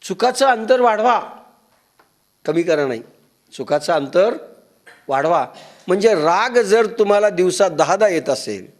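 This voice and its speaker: High-voiced man giving a spiritual talk. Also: animated, a little slow, pauses often. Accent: Marathi. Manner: storytelling, acts out dialogue in low muttering voices. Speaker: spiritual discourse speaker. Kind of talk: devotional discourse with stories.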